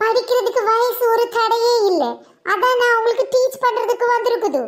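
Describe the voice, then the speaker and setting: In a cartoonish character voice, a woman speaks at an extremely high pitch and a fairly slow pace, her loudness very even. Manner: mixing English and Tamil.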